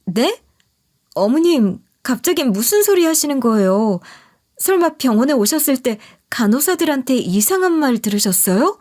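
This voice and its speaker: A woman's voice: high voice, very animated, moderate pace, darkish tone, pitched above the performer's own voice. A woman voicing a deceitful younger daughter-in-law in an audio story, protesting and pleading in a whiny manner. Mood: feigned indignation.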